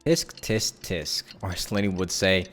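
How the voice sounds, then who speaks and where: A man's voice: sits low, unhurried, music in the background. A man live-streaming a game with casual, sweary, joking commentary to his chat, often exclaiming.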